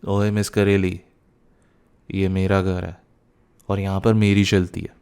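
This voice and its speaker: A man's voice: deep voice, little pitch movement, slow, darkish tone, smooth. A young man playing a teasing, playful and cheekily bossy young husband who gets flustered, in a boyfriend ASMR roleplay, mixing in some English. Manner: teasing, repeats words, mixes in English.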